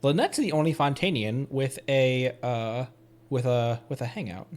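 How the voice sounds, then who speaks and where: At a moderate pace and medium pitch, a man chats through a video game livestream. Soft game music fills the background while he rambles and thinks aloud.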